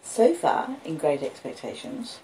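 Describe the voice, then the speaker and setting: An Australian woman hosts a casual livestream in a low-pitched voice. She takes her time, rambling and pausing as she goes. The home recording in a front room carries some faint background noise. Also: big pitch swings, dark tone. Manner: unhurried, rambling, with halting pauses. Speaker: host of a live-streamed book reading. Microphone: phone and an old laptop. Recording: noisy home phone recording. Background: street noise, house creaks, puppy, lo-fi beats.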